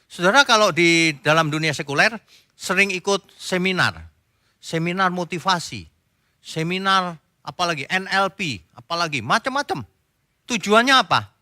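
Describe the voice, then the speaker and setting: A man's voice: sits high, lively intonation, moderate pace, bright, forceful tone, dry recording, studio quality. A male pastor preaching a sermon in a direct, conversational way, often acting out little dialogues.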